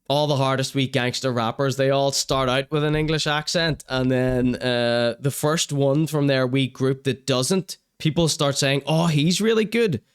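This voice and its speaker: A young man with a Northern Irish accent hosts a live stream, reading out chat comments and offering blunt, wry takes. His voice sits at a medium pitch, clear and resonant. He swears casually and laughs at his own jokes.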